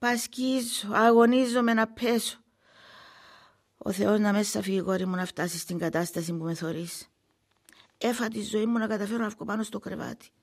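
An actress playing an anxious, pious old mother who speaks weary, complaining Cypriot Greek with a creaky voice. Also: medium pitch, natural voice. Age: older. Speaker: actress in a drama. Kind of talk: dramatic dialogue and monologue in dialect.

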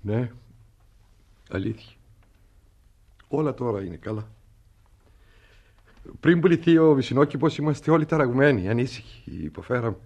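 A genteel gentleman who wanders through his words with small hesitations. His pitch rises and falls with lively animation. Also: pauses often. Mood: rambling. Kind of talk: radio play acting.

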